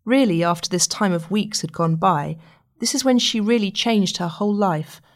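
A woman's voice: medium pitch, moderate pace. A woman reading a long-form magazine article aloud as a scripted narration, in the role of the journalist.

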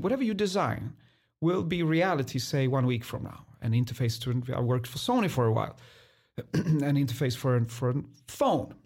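A man in his forties who grew up in Poland and speaks English as a second language, answering interview questions in a thoughtful, halting way with many restarts. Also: on the high side, darkish tone. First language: Polish. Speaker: guest, designer.

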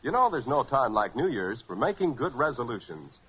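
Very bright, emphatic American radio announcer man. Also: mid-range voice, very animated, normal speed, slightly rough. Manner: dramatic, emphatic, polished salesmanship. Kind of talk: 1940s radio announcing and ad copy. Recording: muffled 1940s radio recording.

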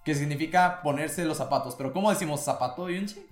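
A man's voice: on the high side, fast talker. A man hosts a casual language lesson, explaining step by step and quizzing his co-host. His voice sits in a roomy, echoing space with faint music underneath. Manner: explains patiently, prompts co-host with questions. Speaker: podcast co-host, Korean teacher.

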